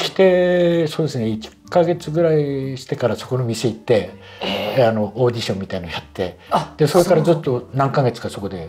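With faint music in the background, a man at a medium pitch talks at a fairly quick pace, his pitch swinging very widely and his loudness rising and falling a lot. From Japan. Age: 80s+. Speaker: musician, former care home director. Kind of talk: interview answer. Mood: relaxed, reminiscing. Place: home room. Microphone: lapel.

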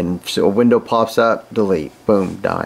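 In a Southern US accent, a man speaks at a moderate pace with a fairly low pitch and fairly even intonation. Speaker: tech how-to video creator. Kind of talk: tutorial. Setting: screen recording with voiceover. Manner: halting, filler-heavy.

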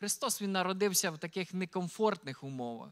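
The voice has a bright, sharp tone and lively intonation, set against a quiet background. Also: man. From Ukraine, Vinnytsia region; Ukraine. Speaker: pastor. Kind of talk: sermon. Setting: church. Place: church. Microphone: handheld.

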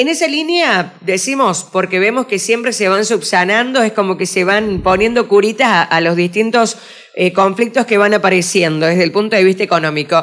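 A woman's voice with ordinary pitch variation, very even loudness and hardly any pauses over a quiet background. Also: moderate pace. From Argentina. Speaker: radio host. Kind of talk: radio interview. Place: studio. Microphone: studio mic.

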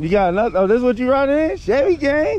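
In a relaxed tone, a man speaks at a fairly quick pace, the sound dry with no echo and light background noise behind him. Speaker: car dealer and YouTuber; YouTuber. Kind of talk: casual vlog chat at a car auction; casual vlog chat. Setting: outdoors at a car auction lot. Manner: casual, relaxed, slangy, fills talk with 'man'. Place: street. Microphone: phone near.

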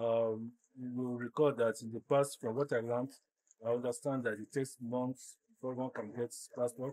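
A man's medium-pitched voice, dark and mellow in tone, with monotone, flat intonation and a moderate pace, in a dry sound with no echo over a quiet background. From Nigeria. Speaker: diplomat. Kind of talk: interview. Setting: live event venue. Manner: halting, many fillers. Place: garden. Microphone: handheld.

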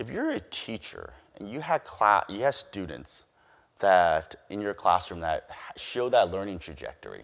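Against a quiet background, a man with a Chinese accent speaks fairly slowly, with big swings in loudness. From immigrated to US as child from Chinese-speaking country. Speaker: school superintendent. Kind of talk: conference keynote. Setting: stage with audience. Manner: casual, conversational with filler words. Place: stage. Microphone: lapel.

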